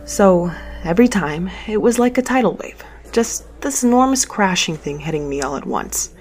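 A woman's voice: medium pitch, lively intonation, moderate pace, a little mellow, natural voice. A woman playing a frazzled, wry, stubborn space courier who narrates their own story conversationally in an audio drama. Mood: wry narrating. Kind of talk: audio drama acting and first-person narration.

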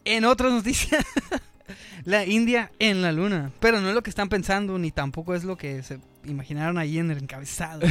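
A young Mexican man with a fairly high voice, co-hosting a casual podcast chat. He bantered with jokes and slang, in a relaxed back-and-forth. Faint music runs underneath. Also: moderate pace. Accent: Mexican Spanish. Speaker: podcast co-host.

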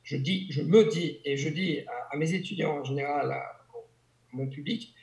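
A man's voice: fairly high pitch, normal speed, creaky, a little mellow. A man from Italy, speaking French as a language teacher in a conversational interview, hesitant with frequent restarts and fillers. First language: Italian. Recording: roomy echo.

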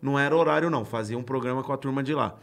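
Gravelly animated man. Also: medium pitch, rapid-fire. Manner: animated storytelling, swearing, laughs often. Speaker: comedian and former radio announcer. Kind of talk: casual podcast chat.

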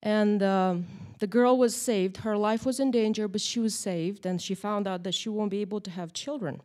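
A woman leads a church Bible lesson. She talks in a chatty, lively way and keeps checking in with her listeners. Her voice sits at an ordinary middle pitch for a woman. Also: moderate pace. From Moldova. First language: Russian or Romanian. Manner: chatty, animated, tag questions. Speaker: Bible study teacher. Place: church room, in front of a group.

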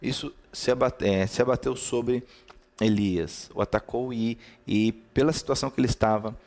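A man's voice: mid-range voice, fairly even intonation, moderate pace, darkish tone. A man with a Brazilian Portuguese accent preaching in a live-streamed devotional talk. He talks conversationally, repeats key words in lists and greets viewers by name between points.

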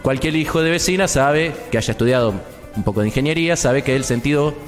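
A man's voice: mid-range voice, fast talker, long reverb tail, faint music behind. A man co-hosting a live radio show, lecturing in a playful mock-expert manner and checking in with "¿sí?". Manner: mock-lecturing, explains step by step with frequent "¿sí?". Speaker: radio co-host giving a mock health segment. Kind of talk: comic live radio chat. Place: radio studio.

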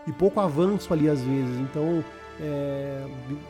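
A man's voice: a little high, normal speed, warm tone, faint music behind. A Brazilian man chatting casually as a podcast host, slangy and often repeating words as he searches for phrasing. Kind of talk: casual chat about video games.

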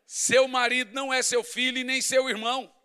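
A middle-aged male pastor, preaching an animated, humorous sermon that swings from loud to hushed. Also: extremely high pitch, fairly quick, smooth.

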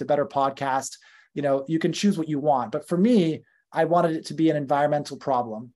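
A man's voice: on the high side, darkish tone. A man in his thirties with a North American accent, telling his story as a guest on a casual podcast, chatty and full of fillers and restarts. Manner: conversational, with fillers and self-corrections. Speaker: podcast guest, company founder.

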